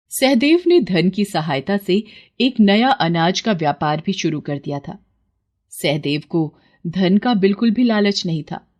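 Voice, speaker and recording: Calm woman narrating a cartoon story. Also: fairly low pitch. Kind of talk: scripted narration.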